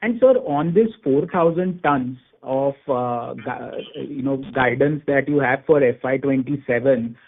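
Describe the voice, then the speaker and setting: A man's voice: medium pitch, measured pace, few pauses. A man calling in as an analyst to put questions on an earnings call. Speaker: analyst caller asking questions. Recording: narrow tinny phone line.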